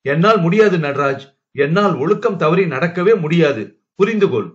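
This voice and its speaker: A man's voice: a little high, expressive, normal speed, voice pushed up, lightly acted. A man voicing a young wife who is upright and distressed, speaking in a firm, pleading tone. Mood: pained. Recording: dull lo-fi recording.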